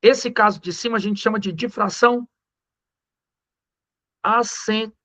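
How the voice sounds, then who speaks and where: A man with a Brazilian accent teaching physics in a recorded lesson. He talks in a slangy, joking way and slows down to stress the key numbers. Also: high voice, sharp tone. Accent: Brazilian Portuguese.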